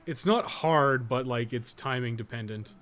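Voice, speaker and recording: A man's voice: medium pitch, a little slow, fairly bright tone, slight background noise. A man doing casual live gameplay commentary, thinking aloud and swearing freely as he plays. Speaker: game streamer and guide writer.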